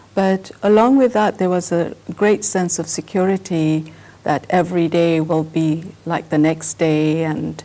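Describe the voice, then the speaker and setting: Through noticeable background noise, a woman speaks fairly slowly at a fairly low pitch. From Pakistan. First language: Urdu. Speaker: artist. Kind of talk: interview. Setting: studio.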